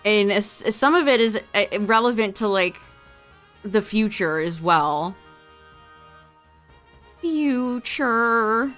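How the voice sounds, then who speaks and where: Young woman streamer, voice going hoarse. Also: mid-range voice, expressive, slow pace, long pauses, fairly bright tone, soft background music. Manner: chatty, reading out notes with asides. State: losing her voice. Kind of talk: casual livestream chat to viewers.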